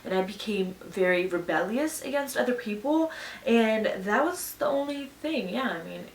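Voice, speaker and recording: A woman's voice: a little high, animated, normal speed, recorded from a distance. A young woman from Pakistan, chatting casually as a YouTuber answering viewer questions in an earnest, reflective way. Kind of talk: casual Q&A chat. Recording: echoey room, voice a bit off-mic.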